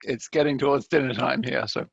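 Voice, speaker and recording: A man asking an articulate, measured academic question over a video call, with some restarts. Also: medium pitch, fairly even intonation, vocal fry, husky, dry recording. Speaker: audience questioner. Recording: dull lo-fi video call audio.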